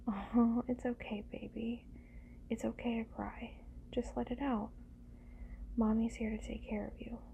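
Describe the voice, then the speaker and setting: Woman acting a doting teasing lover, slow n gentle, breathy with fry, asmr roleplay, kinda muffled. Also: a little high, flat delivery, a little hiss or hum. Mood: soothing. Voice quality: breathy, often slipping into whispers. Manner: gentle, coaxing, soothing. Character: doting, teasing, reassuring lover playing a nurturing caretaker. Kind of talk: intimate roleplay audio, ASMR.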